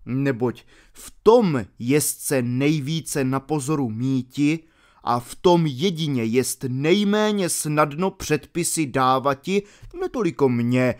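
A man voicing a genial, seasoned Roman orator in an audiobook reading of a classical dialogue, with deliberate, instructive delivery. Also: on the high side, close to an everyday voice. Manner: deliberate, instructive delivery of long archaic sentences.

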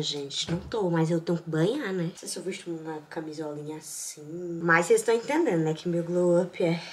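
A young woman with a Brazilian Portuguese accent, vlogging casually at home and talking candidly and directly to her viewers. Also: fairly low pitch. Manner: chatty, candid, talks straight to viewers. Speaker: lifestyle vlogger. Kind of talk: casual vlog talking to camera. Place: bedroom at home. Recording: echoey room with faint noise.

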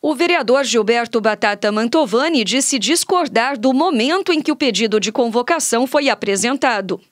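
A woman presenting the news on a municipal radio station, reading her script in a measured, deliberate way from a small studio. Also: fairly high pitch, lively intonation, dry recording. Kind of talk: read news report. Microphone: studio microphone on arm.

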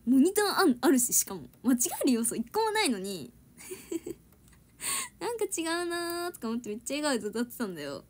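A young woman, an idol trainee, livestreams casually to her fans, giggling as she answers viewers' comments. Her high-pitched voice swings widely in pitch at a normal speed.

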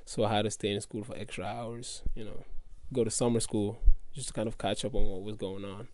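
Young man, dark voice. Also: on the low side, flat delivery, fairly quick, no room sound. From Congo. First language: French. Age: young adult. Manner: earnest, loose phrasing with many fillers. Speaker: college athlete guest. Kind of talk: casual interview answers.

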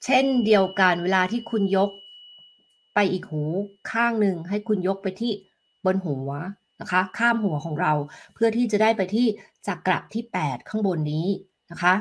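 Breathy female coach, gentle step-by-step explanations, live demo lesson, tuning fork tones behind. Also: mid-range voice, moderate pace. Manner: gentle, explains step by step, answers viewer questions. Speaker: health coach. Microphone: desk microphone.

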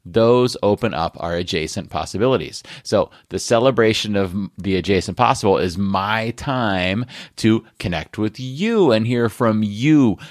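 Low-voiced man hosting an education podcast. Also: no room sound, clean studio sound. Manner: chatty, friendly, rambling with restarts. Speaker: podcast host. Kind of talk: solo podcast segment.

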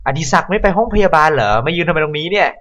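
A man giving let's-play commentary on a horror game. He talks to the zombies and swings from calm asides to startled yelps. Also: on the high side, rapid-fire, lo-fi sound. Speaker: gameplay commentator.

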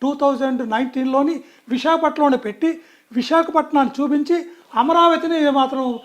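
High-voiced man, emphatic guest. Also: normal speed. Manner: emphatic, with many restarts and self-corrections. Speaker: political guest. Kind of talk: political interview.

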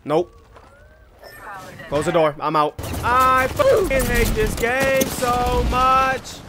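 A young man commentating his own gameplay, excitable and loud, cursing and repeating himself, his voice going hoarse. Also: extremely high pitch, takes it slowly, noisy background. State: losing his voice. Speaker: gaming YouTuber.

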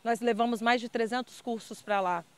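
A woman's voice: a little high, fairly even intonation, moderate pace. Earnest woman community leader. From Brazil. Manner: earnest, persuasive, with frequent fillers. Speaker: interviewee, community leader and council candidate. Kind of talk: street interview answers.

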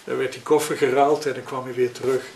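A man's voice: mid-range voice, little pitch movement, gravelly, darkish tone. Elderly man reminiscing, roomy sound. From Netherlands. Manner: hesitant, pausing, conversational storytelling. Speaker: interviewee recalling his childhood. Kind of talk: spoken reminiscence in an interview. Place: living room at home, indoors. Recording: roomy echo with faint noise.

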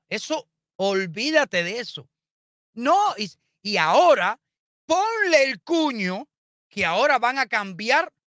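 A Cuban man with a Cuban accent, speaking into a studio mic in a small home studio. His voice is bright and forceful, and the sound is dry and close. He rants in a blunt, heated way and swears freely. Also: very high-pitched, dry recording. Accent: Cuban Spanish. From Cuba. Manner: animated, blunt, swearing, gesturing. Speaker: streamer commentator. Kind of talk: heated political rant. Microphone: studio mic with headphones.

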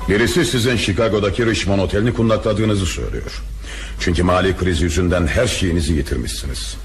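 A man acting a calm, dutiful police commissioner in a crime radio drama, with a measured noir detective manner. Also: sits low, over music. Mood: calm, businesslike. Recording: faintly noisy radio drama recording.

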